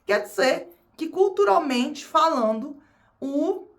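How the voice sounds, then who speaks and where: Brazilian-accented woman vlogger, high pitch, casual and talkative to camera. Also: expressive, slow pace. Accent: Brazilian Portuguese. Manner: chatty, repeats phrases, addresses viewers as "gente".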